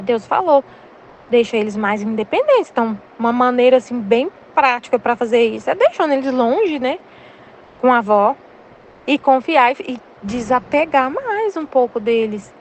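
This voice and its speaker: This woman in her thirties speaks with a Brazilian Portuguese accent in a slightly high, animated voice at normal speed. She leads a Catholic study group, candidly sharing a personal faith testimony as casual spiritual reflection. The recording is lo-fi with slight background noise.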